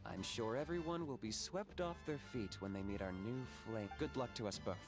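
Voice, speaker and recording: A man playing a cool, confident tribal monster hunter for hire in a video game, speaking in a measured way. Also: mid-range voice, natural voice. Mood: calm, assured. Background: game music.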